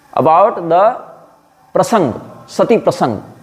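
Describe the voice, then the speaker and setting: Over noticeable background noise, a man with a high pitch speaks at a fairly slow pace using lively intonation. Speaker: spiritual leader. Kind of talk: public statement. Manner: formal.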